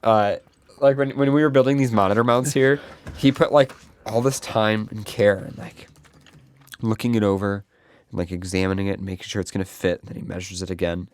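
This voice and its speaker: A man's voice: lowish voice, fairly quick, clean tone, no room sound. A man co-hosting a live podcast, telling rambling stories in casual chat. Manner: rambling, lively storytelling. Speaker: podcast co-host. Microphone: studio microphone.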